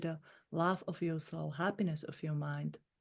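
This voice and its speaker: In a Slovak accent, a woman speaks at a fairly low pitch and moderate pace against a quiet background. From Slovakia. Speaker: spiritual author. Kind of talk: podcast interview.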